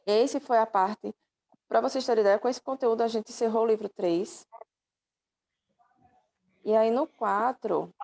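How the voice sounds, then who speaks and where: Gravelly-voiced affectionate woman teacher. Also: on the high side, unhurried, long pauses, darkish tone. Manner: affectionate, calls students "dear"; patient, explains step by step with checking questions. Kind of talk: online class lecture. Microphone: laptop microphone.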